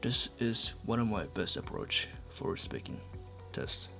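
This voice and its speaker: A young man who speaks English with a Japanese accent, Japanese being his first language, talking casually to camera in a halting way with many fillers. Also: fairly low pitch, sing-song, gravelly, loud music behind the voice. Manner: halting, filler-heavy, asks "right?" often. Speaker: English-learning YouTuber. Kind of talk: casual vlog talk to camera.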